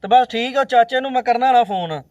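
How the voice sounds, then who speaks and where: A man with a Pakistani Punjabi accent playing a bossy, impatient village man in an amateur drama, loudly talking over the others. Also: very high-pitched, fast, no echo, highs cut off. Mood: insistent.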